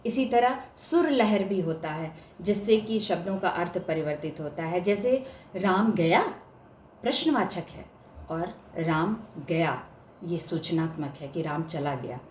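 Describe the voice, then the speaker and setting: A woman's voice: lowish voice, expressive, normal speed, a little mellow. A woman giving an academic lecture, explaining each point and stressing words to show examples. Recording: echoey room with faint hiss.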